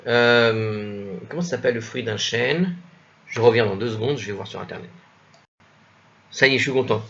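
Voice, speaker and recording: A man's voice: medium pitch, bright, forceful tone, highs cut off, slight background noise. Hesitant man reading and musing aloud. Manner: thinks aloud, hesitant, many self-corrections and asides; spells out Hebrew and Old French words slowly. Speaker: Talmud study teacher. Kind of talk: casual commented reading of a text.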